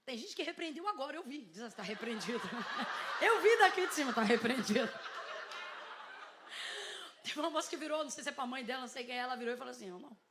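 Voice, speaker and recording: A woman with a Brazilian accent preaching a sermon from a church stage to a congregation, speaking into a microphone and often shouting emphatic questions and calls. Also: high voice, animated, racing, heavy background noise. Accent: Brazilian Portuguese. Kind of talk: Pentecostal sermon. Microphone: handheld or headset microphone with compressor.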